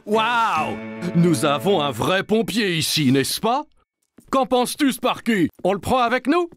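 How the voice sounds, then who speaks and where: A jovial cartoon fireman talks in an animated, swooping voice, hearty and encouraging as he explains things simply for children. There is music behind him. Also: high-pitched, a little slow. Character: friendly, jovial adult male firefighter showing children around. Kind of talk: French-dubbed children's cartoon acting.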